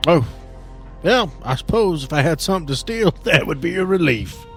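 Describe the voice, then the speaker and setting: A man voicing a gentle old blind country priest with courteous, folksy rural talk. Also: a little high, animated, normal speed, soft background music, voice pushed up. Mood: amused, curious.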